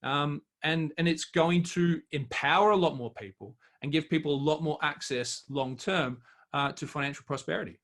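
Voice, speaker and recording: A man's voice: fairly high pitch, normal speed, fairly bright tone. A man speaking as a guest expert in an interview, giving emphatic, argumentative commentary in an unscripted way.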